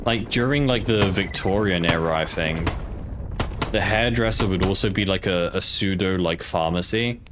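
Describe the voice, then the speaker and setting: A man's voice: sits low, moderate pace, noisy background. A young man from Poland with a British accent, chatting casually and hesitantly while streaming a game, with lots of fillers. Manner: rambling, hesitant, filler-heavy. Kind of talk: casual gaming stream chat.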